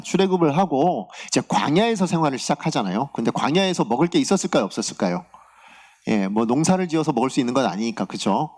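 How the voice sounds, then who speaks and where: A man's voice: a little high, a little mellow. A man preaching a Sunday sermon as pastor, in a conversational way, often asking the congregation rhetorical questions.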